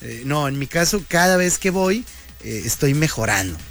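A man's voice: on the high side, sing-song, moderate pace, gravelly, a bit bright, faint music behind. A man, hosting a radio show in a joking, slangy monologue. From Mexico. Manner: joking, slangy, playful banter. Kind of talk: casual comedic radio monologue.

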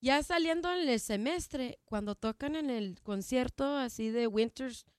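Halting woman, smooth voice. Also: high voice, a little mellow, no room sound, clean studio sound. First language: English. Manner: halting, many restarts and fillers. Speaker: jazz program director. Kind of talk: casual interview.

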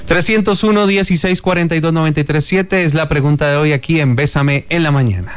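A man hosting a morning radio show from a studio, in relaxed, chatty talk. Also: fairly high pitch, fast talker, clear, resonant tone, faint music behind. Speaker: radio host.

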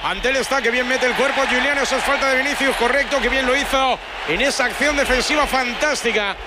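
A man calling a live football match play by play, quick and excited. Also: very high-pitched, a loud crowd, very noisy. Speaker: play-by-play commentator.

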